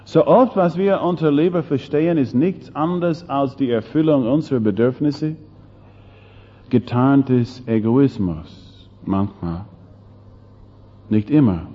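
A male preacher delivers a sermon at an unhurried, deliberate pace, leaning on rhetorical questions. His voice rises into loud emphasis, then drops to hushed asides. The sound is dull and lo-fi, with a long reverb trailing off the walls of a big hall. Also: medium pitch.

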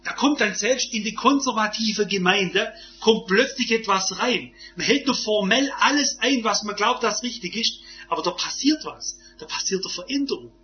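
A man preaches in a high voice. He fires off rhetorical questions and shifts between forceful outbursts and quiet asides. The recording sounds dull and lo-fi. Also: animated, moderate pace, few pauses, a little hiss or hum. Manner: emphatic, rhetorical questions, swings from loud to hushed. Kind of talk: sermon.

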